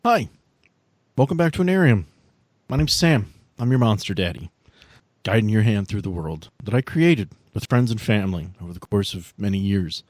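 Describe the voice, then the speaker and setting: A man's voice: lowish voice, animated, normal speed, darkish tone, no echo. A man hosting and narrating a tabletop game in a playful, conversational way as he sets scenes. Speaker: host and game master.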